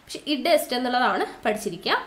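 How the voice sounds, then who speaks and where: A woman teacher with a Malayali accent giving a recorded exam-prep lesson, asking questions and answering them herself, and repeating key terms slowly. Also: a little high, sing-song, fairly bright tone.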